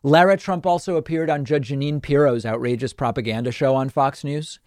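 Male talk host, mid-pitched, scornful and sarcastic, dry close sound. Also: fairly even intonation, fairly quick, darkish tone, no room sound. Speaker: political talk show host. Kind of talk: opinionated political commentary.

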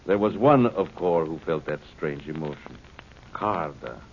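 A cold alien intelligence from a 1950s science fiction radio play. The voice is very low and swings expressively through formal, condescending phrases with smug amusement. The old recording is muffled, with faint noise. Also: male voice, animated, unhurried. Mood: detached, amused. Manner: formal, smug, pedantic, coolly mocking. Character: cold superior alien of pure energy, condescending villain. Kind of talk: 1950s radio drama acting.

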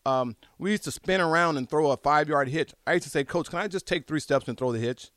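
A middle-aged man chatting casually about his football days as a former player, telling stories in an animated way and repeating himself. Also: fairly high pitch, fairly quick, no echo, clean studio sound. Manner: animated storytelling, repeats phrases, says "dude" often. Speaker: former college football quarterback, show guest. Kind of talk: casual sports chat, reminiscing.

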